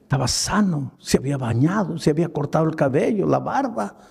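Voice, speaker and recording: A man preaching a sermon, telling a story dramatically with sudden leaps in pitch. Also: animated, a little fast, creaky, a little mellow, slightly rough.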